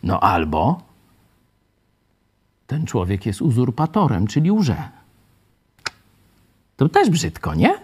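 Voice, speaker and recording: A man leading a lively Bible study lecture, ironic and animated, asking the group questions and tagging his points with a quick "right?". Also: medium pitch, breathy edge. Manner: many fillers and "nie?" tags.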